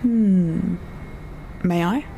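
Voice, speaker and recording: Chill teasing coworker, bit of vocal fry, audio drama. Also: medium pitch, extremely slow, mellow, slight background noise. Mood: light, teasing. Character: easygoing, teasing friendly colleague in sci-fi drama.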